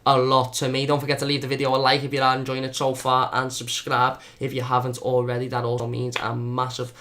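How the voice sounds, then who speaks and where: Young Scouse male fan vlogger, quick and earnest with a narrow pitch range, repeats himself for emphasis. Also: completely flat delivery, fairly bright tone. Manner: repetitive, earnest, doubles his words. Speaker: fan channel host. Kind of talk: football preview vlog.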